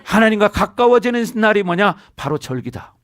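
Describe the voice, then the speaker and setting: A man's voice: high-pitched, big pitch swings, normal speed, a bit bright. A middle-aged male pastor preaching a sermon in a church, calling out to the congregation and drawing responses from them. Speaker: senior pastor. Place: church sanctuary.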